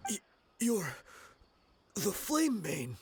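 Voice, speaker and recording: A man's voice: high-pitched, huge pitch swings, very slow, gravelly, noisy background, heavily acted. A man voicing a cocky, defiant mercenary thug with a sneering, taunting manner in an anime game.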